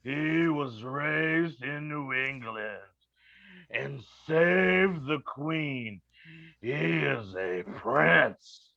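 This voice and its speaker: A man's voice: fairly high pitch, drawn-out words, vocal fry, dry recording, exaggerated voice. A man playing a cocky, boastful wrestling prince who taunts through a theatrical promo, in lo-fi audio. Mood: grand.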